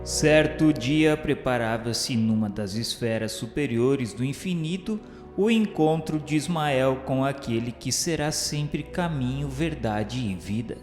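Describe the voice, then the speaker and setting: Slow, solemn Brazilian man in long reverb. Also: mid-range voice, a little mellow. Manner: formal, grandiloquent, reverent. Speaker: narrator. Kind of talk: solemn scripted narration of a religious radio novela. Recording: roomy long reverb, music behind. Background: music.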